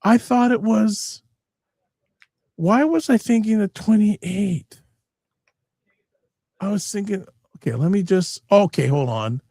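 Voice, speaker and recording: A man's voice: high-pitched, slow pace, vocal fry, long pauses, dry recording, studio quality. A man hosting a live-streamed talk show, chatting casually and animatedly, often cutting himself off and joking. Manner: animated, self-interrupting, jokey. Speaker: host.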